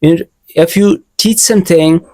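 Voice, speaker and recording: Speaking at normal speed in a fairly high, mellow voice, a young English teacher from Asia, a native speaker of an Asian language, gives a casual, earnest lesson in learner English. He frequently repeats and restarts phrases. There's no room sound.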